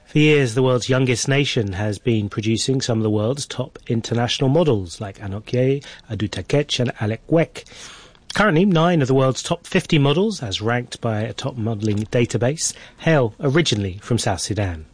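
A man news presenter introducing a feature in a lively, conversational scripted style. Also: medium pitch, moderate pace, husky, no room sound.

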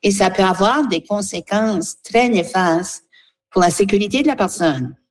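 A woman, a guest speaking earnestly for a seniors' association, pausing often with fillers. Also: mid-range voice, animated. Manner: earnest, halting, with many fillers. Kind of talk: radio interview, advocacy.

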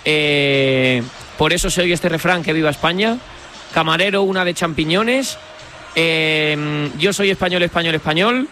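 A man's voice: on the high side, measured pace, sharp tone, slight background noise. A man hosting a sports radio show, bantering with his co-host and steering the conversation. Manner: easygoing, bantering, steers the talk. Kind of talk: casual radio chat.

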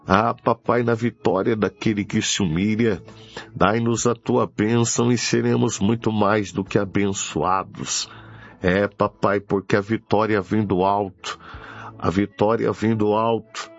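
A Brazilian man prays fervently in a very slow, deliberate delivery. His voice is markedly gravelly, and he pleads in repeated phrases and devotional interjections. Faint music plays behind the preacher. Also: fairly low pitch. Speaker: preacher leading prayer. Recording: dull lo-fi audio with music behind.

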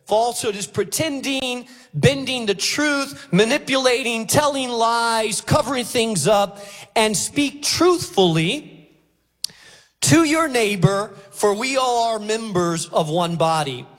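Male preacher from Spain, high-pitched, emphatic and deliberate sermon delivery, reverberant hall. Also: animated, a bit bright. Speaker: pastor preaching. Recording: reverberant hall, faint music.

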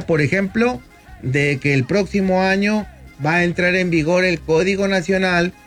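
Brief: male lawyer, 50s, radio guest, measured explainer, slightly high voice, soft music bed underneath. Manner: measured, explanatory, often addresses the host by name. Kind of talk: radio talk segment. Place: radio studio booth.

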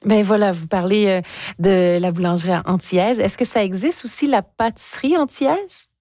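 A woman hosting a casual interview, friendly and quick to laugh. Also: medium pitch, dark tone, no echo, clean studio sound. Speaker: radio interviewer.

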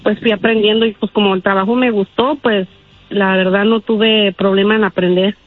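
A woman from Guanajuato telling her story modestly on a radio call-in, often pausing with small fillers. Her voice comes through a tinny, dry phone line. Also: medium pitch, fairly even intonation, no echo. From Guanajuato, Mexico. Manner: modest, hesitant, many "pues". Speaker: caller.

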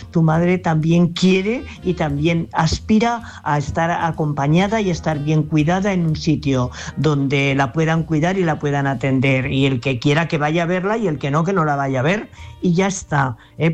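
An older Spanish woman with a La Mancha accent phones in to a radio programme. Her voice sits low, and she gives earnest advice, repeating herself and restarting her sentences. Soft music plays faintly behind the call. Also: lo-fi sound. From Castilla-La Mancha, Spain. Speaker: caller.

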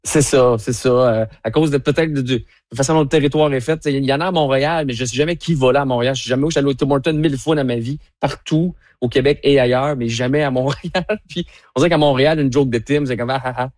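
A man's voice: medium pitch, fast talker, darkish tone, no room sound. Loose-talking man comedian, dry close sound. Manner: loose, hesitant, fillers. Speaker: comedian guest. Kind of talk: casual podcast chat.

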